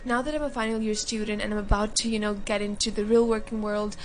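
A woman's voice: medium pitch, fairly even intonation, quick pace, a little hiss or hum. A woman in her twenties, a university student, talking earnestly about her career path with frequent ums. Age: 20s. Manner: earnest, many fillers, softening toward the end. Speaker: university student, charity beneficiary. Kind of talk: recorded interview testimony.

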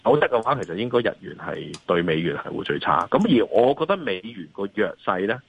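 Over a dull call line, a husky Hong Kong man with a lowish voice talks briskly and very animatedly. He's a financial analyst and columnist guesting in an interview, delivering off-the-cuff market commentary emphatically and repeatedly fishing for agreement with rhetorical questions.

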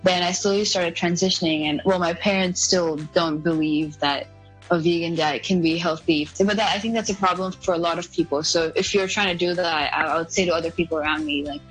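A woman's voice: fairly low pitch, fairly even intonation, a little fast, husky, soft background music, poor audio. A woman in her late teens from India, answering interview questions in a casual, chatty way with lots of "like" fillers. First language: an Indian language other than Hindi. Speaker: guest.

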